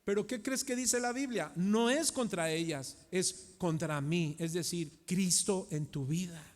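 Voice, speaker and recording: A middle-aged Mexican pastor preaching a sermon, asking the congregation questions and moving between loud and hushed delivery. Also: male voice, sits high, measured pace. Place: church hall. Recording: long church hall reverb.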